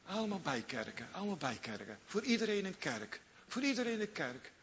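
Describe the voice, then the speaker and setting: A man's voice: high-pitched, sing-song, a little fast, fairly bright tone, muffled recording, slight background noise, pitched above the performer's own voice. A man preaching takes on the voice of an old king who boasts in a proud, singsong way about his many wives. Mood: boastful.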